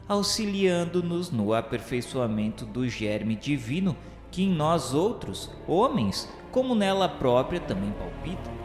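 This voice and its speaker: Solemn male narrator in an echoey hall. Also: medium pitch. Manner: solemn, grandiloquent, declamatory. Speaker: narrator of a radio novel. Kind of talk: scripted dramatic literary narration. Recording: echoey hall with faint music. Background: faint music.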